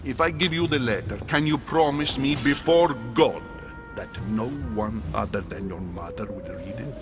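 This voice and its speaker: An actor playing a discreet, paternal Catholic churchman in a video game, speaking in a measured, ceremonious, formal way. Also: mid-range voice, natural voice. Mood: hesitant, solemn. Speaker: actor in a narrative adventure game. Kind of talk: cinematic game dialogue. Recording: game dialogue over background music.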